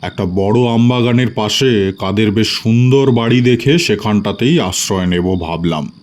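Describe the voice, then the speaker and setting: A man's voice: on the low side, moderate pace, darkish tone. A man narrating a scripted story in a dramatic storytelling style.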